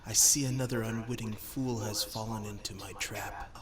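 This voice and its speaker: A man voicing an evil talking skull in a video game, a pompous, gloating villain with a breathy, whispery, theatrical and sneering delivery. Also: on the low side, steady tone, moderate pace, lightly acted. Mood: menacing gloating. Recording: echoey, distant, crowd-like noise behind.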